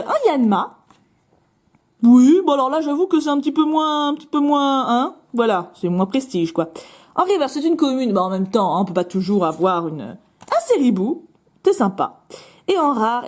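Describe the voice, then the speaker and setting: A bubbly French woman chats away as she opens card packs, her fairly high voice swooping up and down. She jokes at her own expense and throws in quick asides. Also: big pitch swings, darkish tone. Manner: chatty, bubbly, self-mocking, quick asides. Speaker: card-opening video host. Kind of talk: casual chat while opening cards.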